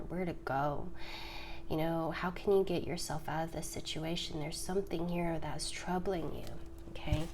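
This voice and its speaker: Raspy, congested woman reading tarot. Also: lowish voice, darkish tone, slight background noise. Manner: chatty and reassuring, often drops to a whisper. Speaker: tarot reader. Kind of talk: casual tarot reading to camera.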